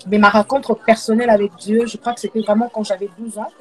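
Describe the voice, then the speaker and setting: Fast-talking woman from Congo, soft-spoken. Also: medium pitch, little pitch movement, rough recording. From Democratic Republic of the Congo. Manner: soft-spoken, with frequent fillers and repetition. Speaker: gospel worship singer, guest. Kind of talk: casual live-stream chat. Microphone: video call.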